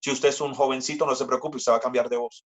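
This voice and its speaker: A man, preaching a sermon as pastor and reading scripture slowly with emphatic repetition. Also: steady tone. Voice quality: deep voice. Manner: slow, emphatic scripture reading with repeated phrases.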